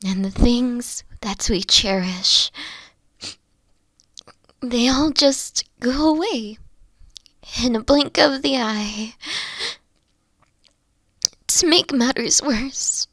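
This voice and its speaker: A woman playing a mature-seeming young queen in a roleplay audio drama, tender and teasing, soft-spoken and often slipping into breathy whispers. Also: high-pitched, no room sound, studio quality, exaggerated voice. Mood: wistful, then tearful, grieving. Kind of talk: scripted roleplay audio drama, intimate one-on-one.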